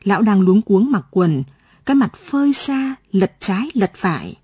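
Woman, radio story narrator, measured delivery, dark husky voice, dry studio sound. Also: medium pitch, very animated, no room sound. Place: broadcast studio.

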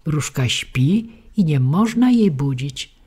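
A woman doing a slow phlegmatic snail. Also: low-pitched, lively intonation, dark tone, breathy edge, heavily acted. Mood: placid. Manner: slow, unhurried, unbothered. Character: calm, sluggish, phlegmatic male snail.

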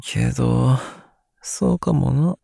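A man playing a sleepy, grumpy but gentle young man in an audio drama, with a drowsy, gravelly, softly grumbling voice. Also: medium pitch, takes it slowly, no room sound, studio quality, heavily acted. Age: young adult. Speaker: voice actor. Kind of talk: Japanese audio drama acting.

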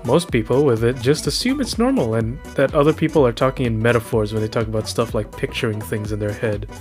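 A man voices an earnest young mage for a comic dub. He talks conversationally in a medium-pitched voice, over faint music. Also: expressive, brisk, a little mellow, lightly acted. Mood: easygoing. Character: earnest, easygoing young male mage master. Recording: music behind.

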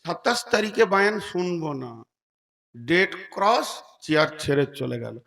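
A man preaching a waz sermon, telling jokes and stories, then chanting loud stretched lines. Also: high voice, big pitch swings, normal speed, vocal fry. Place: religious gathering.

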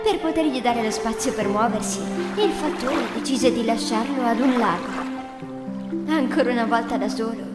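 A woman's voice: a little high, reverberant, long reverb tail. A woman narrating a children's fairy tale in a scripted storybook style.

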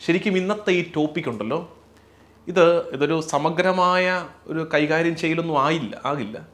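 A man giving a reflective sermon as a Catholic priest, speaking slowly and gently, often dropping to a hushed close and at times chanting lines of a hymn. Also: fairly high pitch.

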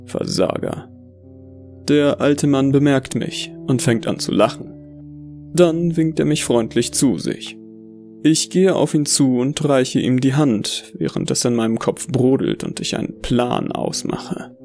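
A man's voice: mid-range voice, expressive, a little slow, a little mellow. A man narrating a horror audio drama as a bitter, delusional Santa, brooding and contemptuous. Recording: music behind the voice.

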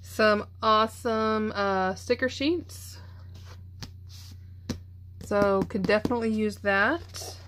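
A woman's voice: medium pitch, slow, pauses often, fairly bright tone, slight background noise. A middle-aged woman, tired and chatty, gushing over craft supplies in a casual vlog. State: tired, yawning. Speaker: craft channel host. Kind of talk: casual show-and-tell vlog.

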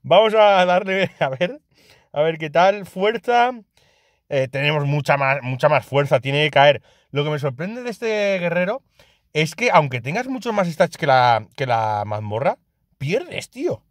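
A young man with a Spain Spanish accent giving casual, excitable gameplay commentary, swearing and laughing often. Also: on the high side, measured pace, no room sound, studio quality. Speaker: gaming youtuber.

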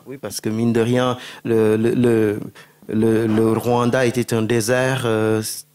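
A man moderating a panel through a handheld mic, halting and stammering as he frames his questions. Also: fairly low pitch, little pitch movement, a little mellow, smooth. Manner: halting, stammering restarts, frequent backchannel. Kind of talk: panel discussion. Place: indoor stage at a public panel.

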